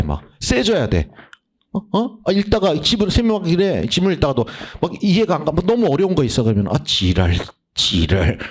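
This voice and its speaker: A man's voice: mid-range voice, slightly rough. A man giving a casual, blunt lecture orientation as a literature lecturer, often acting out students' voices.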